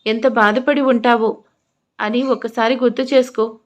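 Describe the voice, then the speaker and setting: A woman voicing a gentle young man who soothes and pleads. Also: a little high, steady tone, unhurried, natural voice. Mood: soothing.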